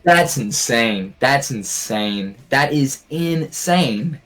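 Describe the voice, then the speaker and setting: A man joining a podcast as a guest, chatting casually and chiming in with quick reactions. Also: mid-range voice, expressive, fairly bright tone, soft background music. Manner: reactive, chimes in with short responses. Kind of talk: casual chat.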